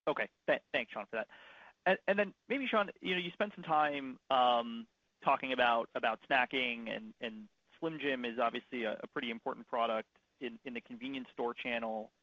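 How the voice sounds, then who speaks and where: A man with a mid-pitched voice asks analyst questions on an earnings call. He is polite and halting, doubling back on his words. The sound is dry and a bit muffled. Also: dry recording. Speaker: financial analyst. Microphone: conference call line. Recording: dull, dry phone-call audio.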